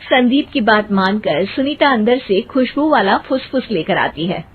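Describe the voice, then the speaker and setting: Woman narrating a cartoon, husky voice, tinny phone-like audio. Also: fairly high pitch, expressive, normal speed. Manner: plain storytelling.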